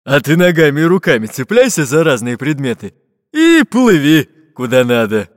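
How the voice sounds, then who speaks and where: A man's voice: a little high, big pitch swings, normal speed, dry recording, clean studio sound, long reverb tail. A man doing a grumpy robber captain. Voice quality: gruff, grumbling.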